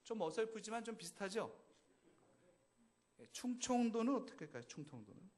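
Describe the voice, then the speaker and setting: A man's voice: high-pitched, very animated, brisk, a little mellow. A man from Seoul preaching a sermon at a church service, emphatic and at times playful with the congregation. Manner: emphatic preaching with rising, swelling phrases. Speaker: pastor.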